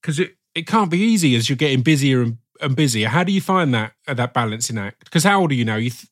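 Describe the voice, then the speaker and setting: A man's voice: medium pitch, expressive, fast, no echo, clean studio sound. A middle-aged man with an Essex accent hosting a casual podcast, chatty and informal, often restarting his words. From Essex, England. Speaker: podcast host.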